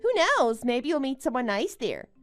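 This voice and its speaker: Woman acting a high-pitched, gloating young bride. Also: very animated, normal speed, faint music behind. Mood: boastful. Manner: gloating, condescending, exclaiming. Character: smug, boastful young bride who taunts her friend. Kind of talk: melodramatic animated-story voice acting.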